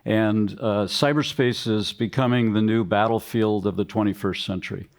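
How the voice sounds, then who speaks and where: An older man speaks as a panelist at a conference, his voice on the lower side. He talks in a courteous, measured way. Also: steady tone. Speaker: panelist, political scientist. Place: conference hall stage.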